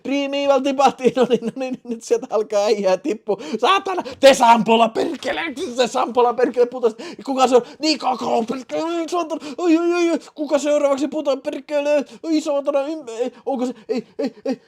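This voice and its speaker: A high-pitched man hosting a livestream, swearing constantly and shouting as he calls out names. His voice is strained and giving out from all the yelling. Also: steady tone, hardly any pauses. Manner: tired, winding down. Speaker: livestream host. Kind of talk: livestream chat.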